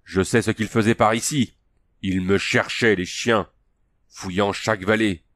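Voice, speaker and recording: A man voicing a gruff, restless barbarian warrior chief who talks bluntly and swears oaths. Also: on the low side, fairly even intonation, unhurried, fairly bright tone. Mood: grim.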